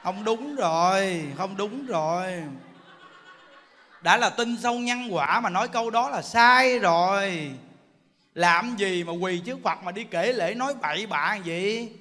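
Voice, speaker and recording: A man with a Southern Vietnamese accent delivers a Buddhist sermon in a very high, bright voice. He drives his points home emphatically and keeps asking his listeners whether they see it. Long reverb rings around him as in a large hall. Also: a little slow. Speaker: Buddhist preacher.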